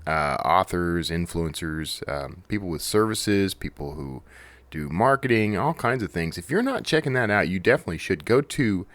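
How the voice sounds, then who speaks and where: Lively intonation and a slightly bright tone mark this solo podcast host's low voice, recorded with no echo at a moderate pace. His talk is rambling and conversational, frequently breaking off and circling back on itself.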